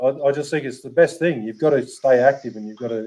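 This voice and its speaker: The voice has a dark, mellow tone. It comes with an Australian accent. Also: man. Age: 40s. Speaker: podcast host. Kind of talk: casual chat.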